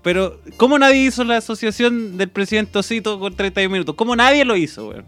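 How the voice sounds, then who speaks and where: A Chilean man co-hosting a casual comedy podcast, sarcastic and quick to swear. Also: high voice, expressive, fairly bright tone, faint music behind. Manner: sarcastic, swearing, laughs easily. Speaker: podcast co-host.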